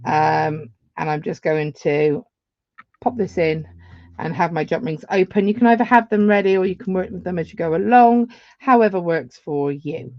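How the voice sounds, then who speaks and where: A woman's voice: fairly low pitch, moderate pace, dry recording, muffled recording. A woman, giving a chatty live beading tutorial with rambling asides. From England.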